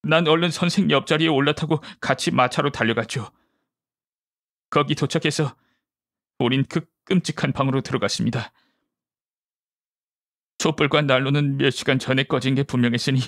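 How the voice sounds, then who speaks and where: A man acting a shaken gentleman witness in an audiobook, with a fairly high male voice. He is polite and hesitant, testifying in distress about a horror, and the sound is close and dry. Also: no room sound. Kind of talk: audiobook character dialogue.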